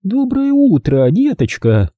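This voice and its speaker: A man's voice: extremely high pitch, huge pitch swings, moderate pace, no room sound, lo-fi sound, pitched above the performer's own voice, exaggerated voice. A man putting on a syrupy, scheming aunt. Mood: sickly sweet. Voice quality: syrupy sweet, turning cold. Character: sugary, scheming aunt, a middle-aged woman.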